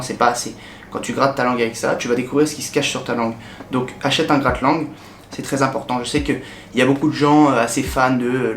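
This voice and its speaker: A young French man in a casual vlog, chatting directly to the viewer in a relaxed way with many hesitations. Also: medium pitch. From France. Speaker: vlogger. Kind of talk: casual talk to camera. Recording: echoey room with faint ambient noise.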